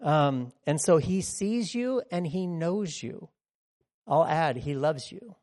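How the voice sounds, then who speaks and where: A man's voice: a little high, expressive, takes it slowly, darkish tone. A man preaching a conversational teaching sermon in a rambling, digressive way, often checking in with listeners.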